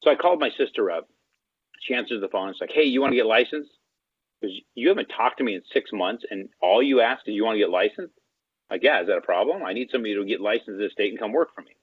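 There's no echo on this dry, tinny phone-line recording of a man with a fairly low, slightly rough voice. Speaking at a quick pace as an interview guest, he tells a casual story and animatedly acts out the dialogue.

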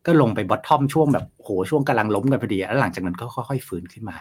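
Man, husky voice, chatty guest commentator, rambling with fillers, casual talk show. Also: on the low side, lively intonation, quick pace.

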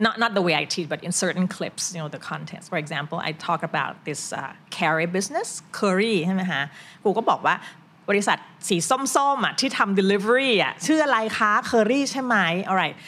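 Older woman, Thai accent, retired English teacher, unhurried, mixes Thai and English. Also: on the low side. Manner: animated, switches quickly between languages. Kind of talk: casual conversation mixing Thai and English.

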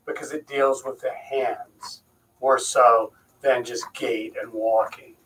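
A man's voice: medium pitch, steady tone, slow, a bit bright, distant mic, a little hiss or hum, poor audio. A man co-hosting an interview, asking questions and explaining terms for listeners. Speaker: co-host, doctor.

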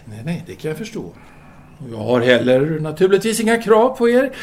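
An actor playing a self-assured, philosophizing Parisian intellectual man in an audio drama, with formal, deliberate phrasing. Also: on the high side, sing-song. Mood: accepting. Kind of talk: audio drama acting, formal literary dialogue.

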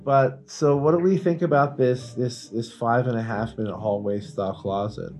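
A man's voice: mid-range voice, steady tone, moderate pace, a little mellow, faint music behind. A man co-hosting a podcast, telling stories in a casual, emphatic, informal way and swearing freely. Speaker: podcast co-host. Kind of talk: casual banter and storytelling.

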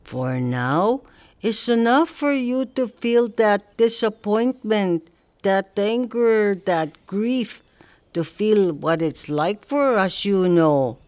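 An actress playing a grounded older Indigenous woman who speaks slowly and calmly with gentle teasing in an audio drama. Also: mid-range voice. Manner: slow, steady, gently teasing. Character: warm elder Indigenous woman, grounded and wry.

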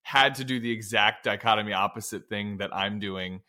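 Male podcast co-host, bright forward tone, casual, jokey, self-deprecating conversational read. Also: lowish voice, moderate pace. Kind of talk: casual chat.

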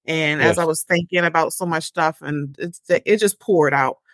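A woman's voice: sits low, normal speed, no echo, studio quality. A woman in her forties from Baltimore, a guest talking candidly about her faith, joking and laughing easily. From Baltimore, Maryland. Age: 40s. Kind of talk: casual interview.

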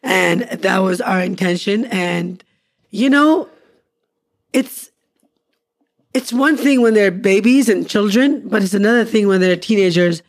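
A woman's voice: mid-range voice, a little slow, long pauses. A woman in her forties co-hosts a casual podcast with her husband. She speaks earnestly and upbeat, building her points as short lists. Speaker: podcast co-host. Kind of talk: casual couple's podcast chat.

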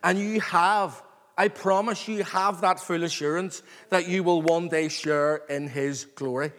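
Guy preaching a sermon, pretty high voice, earnest and excited, repeats phrases for emphasis, big echoey hall. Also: unhurried. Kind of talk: expository sermon to a congregation. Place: large reverberant room, live before a congregation. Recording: long hall reverb.

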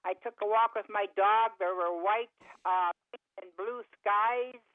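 A woman radio show caller comes through a narrow, tinny telephone line with no room sound at all. She talks in a rambling, opinionated way and gets heated on politics. Her pitch sits in an ordinary middle range. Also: measured pace, dry recording. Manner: chatty, then heated political ranting. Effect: caller heard over a phone line. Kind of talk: call-in talk radio. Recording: tinny dry phone line.

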